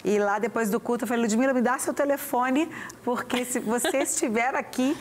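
A woman's voice: a little high, a little fast. A woman, hosting a TV show with an effusive, chatty manner toward viewers, on a lapel mic in a studio. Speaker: TV host. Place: bright TV studio set, indoors.

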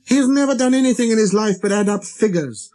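A man voicing an earnest, persistent little boy prince in a storybook, with a high, light, childlike voice and an insistent way of talking. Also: quick pace, dark tone, close to an everyday voice. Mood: indignant. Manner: insistent, questioning.

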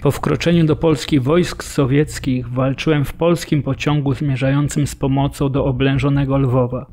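A man's voice: medium pitch, steady tone, moderate pace, mellow, faint music behind, lightly acted. An actor playing a Polish soldier who tells of his war in a terse, factual manner for a documentary radio drama. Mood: terse recollection. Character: Polish soldier recalling captivity and escape.

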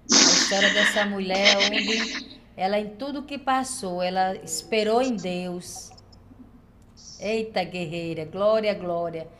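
Brazilian pastora praising with exclamations. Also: female voice, mid-range voice, noisy background. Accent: Brazilian Portuguese. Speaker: pastor and radio host. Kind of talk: church radio interview.

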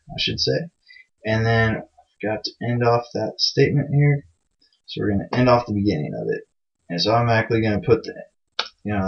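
A man hosting a programming screencast, talking loosely and mocking himself, with plenty of fillers. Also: fairly low pitch. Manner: loose, chatty and self-mocking, with many fillers. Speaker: programming tutorial host. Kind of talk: casual screencast tutorial. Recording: dull lo-fi mic sound.

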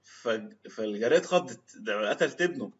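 A man's voice: medium pitch, lively intonation, fairly quick. A man with an Egyptian Arabic accent giving a storytelling religious talk, retelling old anecdotes and reciting quotes in formal classical Arabic. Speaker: religious speaker. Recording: slightly dull lo-fi sound.

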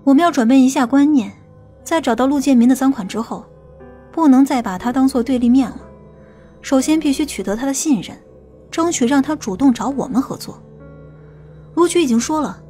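A woman's voice: sits high, mellow, lightly acted. A woman playing a stern, impatient police detective in an audiobook drama.

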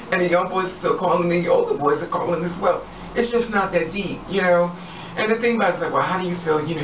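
A middle-aged woman vlogging straight to the camera in a hallway at home, blunt and sassy, with swearing. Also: sits low. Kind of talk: direct-to-camera monologue. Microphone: camera a few steps away. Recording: roomy, distant, dull sound with background hiss.

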